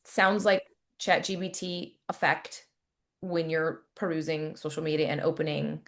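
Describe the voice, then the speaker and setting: A woman hosting a casual podcast interview, reacting quickly and eagerly to what her guest says. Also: sits low. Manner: excitable, quick to react with surprise. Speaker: podcast host.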